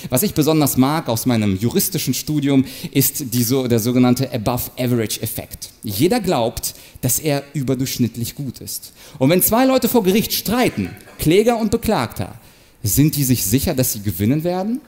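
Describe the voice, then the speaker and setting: A man giving an animated, explanatory talk on manipulation and rhetoric, sometimes acting out short example quotes. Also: medium pitch. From Ukraine. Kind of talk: stage talk to an audience.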